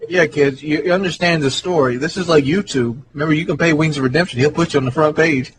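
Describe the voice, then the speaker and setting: A man's voice: on the high side, quick pace. A man co-hosting a casual talk show, making teasing jokes. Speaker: co-host. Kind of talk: casual chat. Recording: clear background noise.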